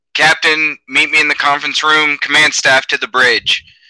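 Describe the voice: Using a put-on character voice, a man talks at a moderate pace in a fairly high pitch with a monotone, flat intonation.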